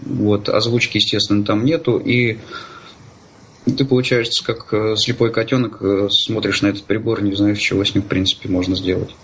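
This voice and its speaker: A man giving conversational interview answers in a halting, hesitant way, often searching for words. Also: on the low side, little pitch movement, fairly bright tone, slight background noise, low-quality recording. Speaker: interview guest, blind user of assistive technology.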